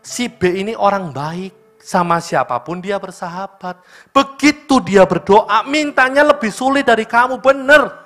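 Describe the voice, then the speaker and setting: A man's voice: sits high, measured pace, faint music behind. A male pastor with an East Javanese accent preaching at a church service, telling a story and speaking straight to the congregation. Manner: lively storytelling, addressing the congregation directly. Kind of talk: sermon.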